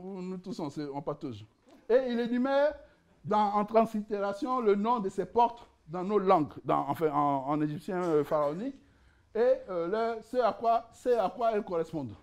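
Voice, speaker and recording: A man with a high-pitched voice delivers a conference lecture with lively energy, joking and laughing at his own asides. He restarts phrases often, repeating words as he works toward a point. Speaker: conference speaker presenting his book.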